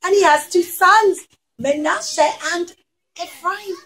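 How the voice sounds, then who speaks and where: A woman voicing a gentle, caring young granddaughter who loves music, in a puppet story. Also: very high voice, pitched above the performer's own voice, full character voice. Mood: happy, reassuring. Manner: gentle, often slow singsong.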